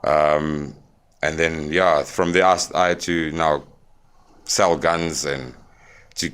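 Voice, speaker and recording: A young South African man telling his life story as a podcast guest, plain-spoken and halting with fillers. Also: rumbling low, steady tone, a bit bright, clear, resonant tone. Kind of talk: candid interview storytelling.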